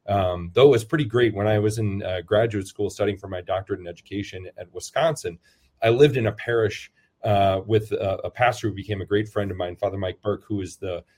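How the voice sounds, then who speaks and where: Low-voiced priest chatting casually. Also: male voice, darkish tone. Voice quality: lower voice. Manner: rambling, self-deprecating, many fillers and restarts. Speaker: priest and football chaplain. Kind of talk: casual interview answers.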